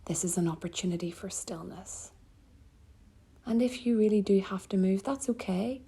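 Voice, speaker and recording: A female yoga teacher with a medium-pitched voice leads a guided meditation for relaxation. She pauses gently and keeps her manner soft, breathy and soothing.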